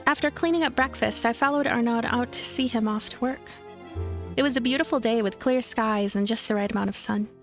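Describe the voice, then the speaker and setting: A woman let's player reading a visual novel aloud in expressive narration, with game music behind her. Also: on the high side, brisk.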